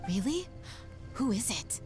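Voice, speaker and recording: A woman's voice: a little high, sing-song, a little slow. A woman playing a curious, eager young student in a video game, with music behind her.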